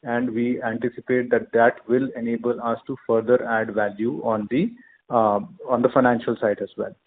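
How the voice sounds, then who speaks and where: A man with an Indian accent answering questions as a company executive on an earnings call, in a measured, hesitant, formal corporate way. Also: mid-range voice, steady tone. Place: conference call. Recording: narrow phone line with clear noise.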